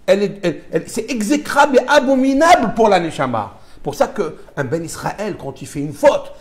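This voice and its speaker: A male rabbi gives a live lesson in a fairly high voice that swoops up and down with great energy. He drives his points home with emphatic rhetorical questions and mixes Hebrew terms into his teaching. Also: animated, moderate pace, crowd noise. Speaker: rabbi teaching a Torah class. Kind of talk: live religious lesson to students.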